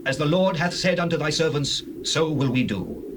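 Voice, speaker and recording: A man's voice: a little high, normal speed, natural voice. An actor playing a humble tribal spokesman in a dramatized Bible, formal and deferential. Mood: dutiful. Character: humble tribal spokesman petitioning his leader respectfully. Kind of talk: dramatized King James Bible reading. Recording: noisy old cassette tape.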